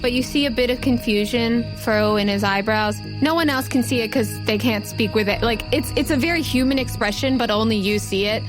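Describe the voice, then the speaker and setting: A woman's voice: fairly high pitch, brisk, few pauses, music in the background, low-quality recording. A woman running a tabletop game as game master, narrating the action in a casual, conversational way.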